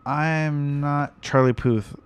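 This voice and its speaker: A man's voice: a little high, steady tone, slow, a little hiss or hum. A man co-hosting a casual podcast in a garage, playful and joking about accents. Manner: playful, riffs on accents and voices. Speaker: podcast co-host. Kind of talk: casual chat.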